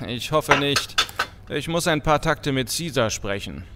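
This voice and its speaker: A man playing an easygoing husband, mid-pitched. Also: animated, measured pace, sharp tone, a little hiss or hum. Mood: placating. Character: easygoing husband with gang dealings. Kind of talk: German audio drama acting. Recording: faint background ambience.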